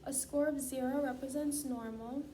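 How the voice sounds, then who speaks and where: High-pitched woman, distant and noisy recording. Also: fairly even intonation, normal speed, warm tone. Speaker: student speech clinician giving a voice assessment. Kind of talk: scripted clinical demonstration. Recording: distant mic, clear background noise.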